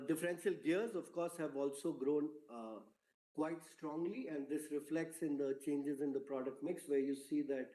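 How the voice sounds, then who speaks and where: A man speaking as a company executive, giving a prepared earnings presentation on a conference call in a measured, formal corporate manner. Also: a little high, mellow. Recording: roomy, echoing conference call audio.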